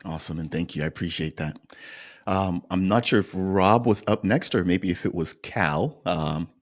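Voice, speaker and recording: Very deep-voiced friendly podcast host. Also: male voice, normal speed. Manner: friendly, apologetic, hands off questions. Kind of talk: casual panel discussion.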